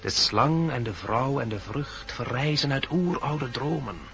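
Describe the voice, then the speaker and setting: In a radio play captured on a dull vintage recording, a man voices a solemn, wise deer who is an oracle of old dreams, delivering cryptic, poetic incantations. His mid-range voice is gravelly and expressive at a measured pace, and the mood is foreboding and solemn.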